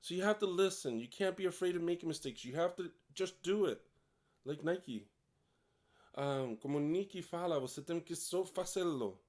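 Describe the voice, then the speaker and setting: A man's voice: on the high side, lively intonation, a little slow, a little mellow. A man who is a native English speaker, with a learner's accent in Portuguese, teaching a casual bilingual lesson in a direct, encouraging way and repeating each point in both languages.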